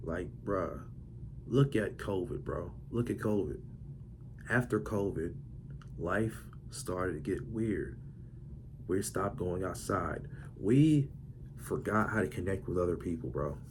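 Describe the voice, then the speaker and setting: With audible room echo, a man with a very deep, low pitch and vocal fry speaks at a fairly slow pace, with very wide pitch swings and long, frequent pauses. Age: young. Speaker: vlogger. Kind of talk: casual monologue to camera. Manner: halting.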